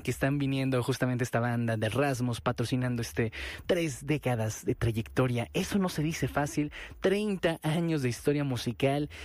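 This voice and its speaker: A man with a Mexican Spanish accent hosting a radio ticket giveaway from a studio booth, animated and repeating phrases for emphasis. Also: medium pitch, no echo. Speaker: radio host.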